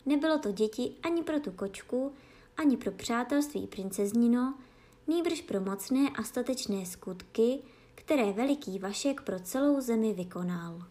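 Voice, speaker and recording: A woman reading a fairy tale aloud as a bedtime story, gentle and expressive. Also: medium pitch.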